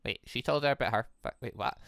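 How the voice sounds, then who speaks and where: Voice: mid-range voice, fast talker, gravelly, fairly bright tone, dry recording, clean studio sound. A gaming host reading a visual novel aloud with casual commentary, often stumbling and interjecting reactions.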